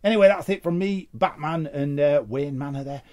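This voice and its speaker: This trading card show host speaks on the high side, fairly quickly, with a slightly mellow sound. His unboxing commentary is casual and chatty, and he keeps muttering short phrases to himself, repeating them.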